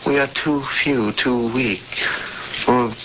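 A fatalistic, earnest prisoner in a 1970s radio drama. His voice is bright and forceful, with solemn, formal phrasing. The vintage broadcast is dull and carries faint noise. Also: medium pitch, steady tone, takes it slowly. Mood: resigned. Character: earnest, fatalistic male prisoner and would-be rebel. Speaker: actor playing a cellmate.

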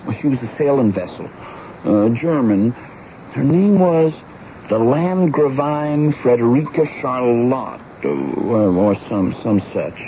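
Earnest teenage runaway, old radio. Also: male voice, mid-range voice, expressive. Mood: sorrowful. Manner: emotional, imploring, halting. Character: earnest, pleading teenage boy, homeless Southern runaway. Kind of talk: 1970s radio drama acting. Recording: dull, noisy vintage radio broadcast.

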